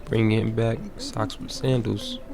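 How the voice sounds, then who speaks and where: A man's voice: fairly low pitch, fairly even intonation, slow pace, vocal fry, over music. A young adult man giving casual, slangy, offhand walkthrough commentary as a gaming video host.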